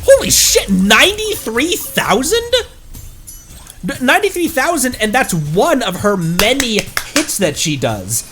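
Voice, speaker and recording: A man doing casual live gaming commentary as a streamer, talking in an excitable, rambling way. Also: very high-pitched, measured pace, over music. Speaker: game streamer.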